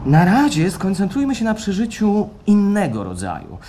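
A man's voice: high-pitched, wildly swooping pitch, normal speed, mellow. An actor playing an eager, fussy technician in a radio play, pressing his case persuasively. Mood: brisk, eager. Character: eager, insistent technician selling staged re-creations of feelings. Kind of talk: radio play acting before a live audience. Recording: live stage recording with background noise.

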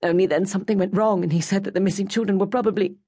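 A woman's voice: medium pitch, steady tone, rapid-fire, breathy edge, voice pushed up, natural voice. A woman reading an audiobook, voicing a tearful middle-aged mother whose voice breaks as she cries with relief. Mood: tearful, overwhelmed. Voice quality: breaking, trembling voice. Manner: hushed, urgent, emotional. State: crying. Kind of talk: audiobook character voice.

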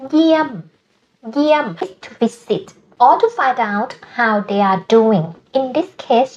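A woman with a Thai accent, a native Thai speaker, teaching a language lesson and slowly repeating words. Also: fairly high pitch, darkish tone, highs cut off. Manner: slow, careful repetition of Thai words.

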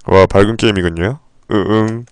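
This man is streaming a game live, voicing the on-screen text low and flat before abrupt bursts of swearing. He speaks at a normal speed with a clear, resonant tone, recorded in studio quality with no room sound.

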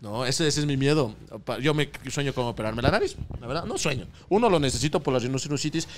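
A man's voice: mid-range voice, quick pace, slight background noise. A young Ecuadorian man with an Ecuadorian accent, co-hosting a podcast, telling stories in a casual, comic way and acting out voices, into a handheld mic in a studio set. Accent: Ecuadorian Spanish. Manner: animated, acts out voices in the story. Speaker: podcast co-host. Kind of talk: casual comedic storytelling. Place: studio set in a shop, indoors.

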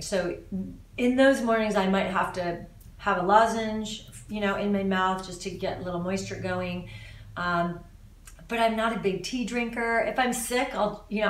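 Lively woman, roomy distant sound. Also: medium pitch. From Los Angeles. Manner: animated, talks with her hands, many restarts. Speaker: voice actor guest. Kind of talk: casual interview answers. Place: living room, indoors.

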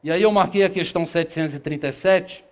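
This middle-aged Brazilian man talks fast in a fairly high voice, delivering a spiritist lecture to people seated in a small meeting room. He poses rhetorical questions he answers on his own and reads passages aloud. There's no handheld mic, only a far camera.

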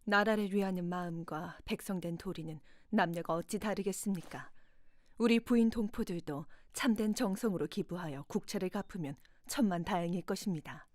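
A woman's voice: lowish voice, normal speed, a little mellow, no room sound, studio quality, lightly acted. A woman playing an earnest, dignified patriot of early-1900s Korea, making formal, humble and determined declarations in a historical audio drama.

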